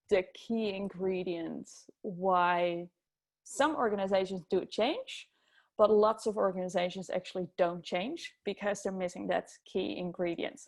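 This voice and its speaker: A woman with a Dutch accent, an agile coach giving an upbeat webinar talk over a video call, with many ums and uhs. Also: medium pitch. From Netherlands. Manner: frequent ums, upbeat and eager. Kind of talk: webinar presentation.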